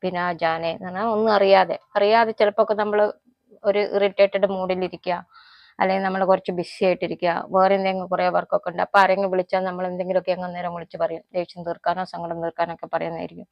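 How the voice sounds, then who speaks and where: A woman with a Malayali accent, a native Malayalam speaker, teaching everyday Hindi phrases in a casual lesson, explaining them slowly and repeating each example. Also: fairly low pitch, level tone, creaky, dry recording, dull audio. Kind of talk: casual spoken-language lesson.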